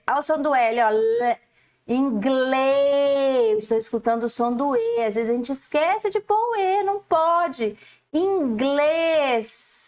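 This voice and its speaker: A woman's voice: fairly high pitch, darkish tone. A woman teacher, giving a recorded lesson to young children and stretching out each syllable as she explains. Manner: slow, drawn-out syllables, explaining. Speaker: primary school teacher.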